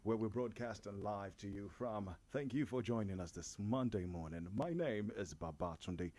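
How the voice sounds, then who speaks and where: A man's voice: fairly low pitch, moderate pace, warm tone. A man with a Nigerian accent reading headlines and presenting on the radio as a host. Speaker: newsreader and radio show host. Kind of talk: scripted radio news bulletin and presenting.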